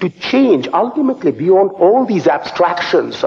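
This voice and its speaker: Someone with an Indian accent speaks at a moderate pace over noticeable background noise. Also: man. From eastern India, Calcutta. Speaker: business professor. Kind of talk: conference talk. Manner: repetitive restarts, stammering on words.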